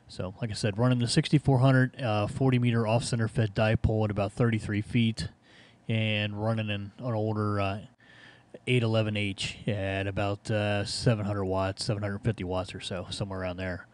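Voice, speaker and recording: A man's voice: fairly low pitch, level tone, normal speed, a little mellow. An American man chatting casually as an amateur radio operator in an easygoing, rambling manner. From Ohio, United States. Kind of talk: casual ham radio chat.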